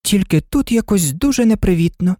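A woman's voice: medium pitch, animated, normal speed, mellow, dry recording, studio quality, voice pushed up, natural voice. A woman voicing a polite, curious seven-year-old girl. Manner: polite, earnest.

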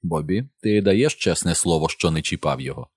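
A man's voice: sits low, expressive, a little fast, a little mellow, slightly rough, no room sound. A man voicing a blunt, commanding middle-aged police officer in an audiobook. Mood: stern authority. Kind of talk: audiobook character voice.

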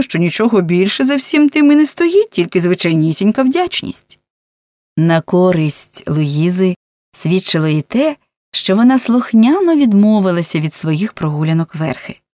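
Low-voiced woman reading a novel aloud. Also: dry recording, clean studio sound. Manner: expressive reading with rising emphasis. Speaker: audiobook narrator. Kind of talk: scripted narration of a novel.

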